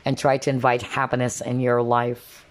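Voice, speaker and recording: Delivered completely flat at a moderate pace, this mid-range voice belongs to a tarot card reader chatting casually to viewers. The tone stays conversational, with frequent "okay?" check-ins.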